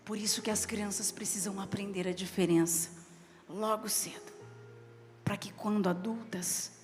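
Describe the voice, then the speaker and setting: A woman's voice: mid-range voice, fairly even intonation, normal speed. A woman bishop with a Brazilian Portuguese accent preaching a sermon, reading scripture and explaining it with stories from her own family. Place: church service hall. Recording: reverberant hall with faint music behind.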